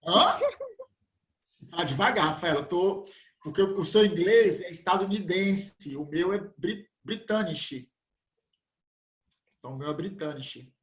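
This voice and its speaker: A man's voice: sits high, unhurried, long pauses, fairly bright tone. A man teaching a school class over a video call, greeting students one by one and joking around. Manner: playful, jokey, greets everyone by name. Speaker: biology teacher. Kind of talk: casual online class chat.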